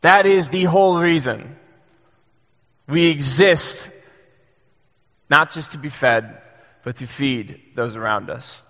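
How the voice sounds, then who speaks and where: Earnest preacher in a reverberant hall. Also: male voice, on the high side, fairly bright tone. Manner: earnest, halting with frequent fillers. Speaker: pastor. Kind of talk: sermon. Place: church sanctuary.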